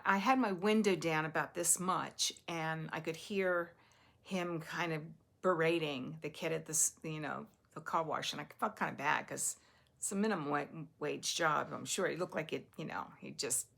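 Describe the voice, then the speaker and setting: A woman with a lowish, gravelly voice full of vocal fry chats casually to camera as the host of a knitting podcast. She rambles through everyday stories, interrupting herself and laughing often. She is talking from home. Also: fairly bright tone. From US East Coast. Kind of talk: casual chatty storytelling to camera.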